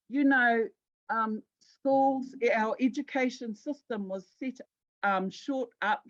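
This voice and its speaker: A New Zealand woman presents an educational talk in a mid-pitched voice. She is conversational and emphatic, moving between explanation and storytelling. The recording is dull and slightly muffled. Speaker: guest speaker at a Māori health conference.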